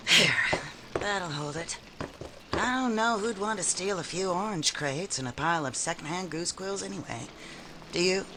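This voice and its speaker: Man playing a brassy, highish-pitched wisecracker, noisy backdrop. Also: normal speed, close to an everyday voice. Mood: wisecracking. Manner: snappy, slangy, brusque. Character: brassy, tough, sarcastic secretarial service owner Connie. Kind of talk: 1940s radio drama acting.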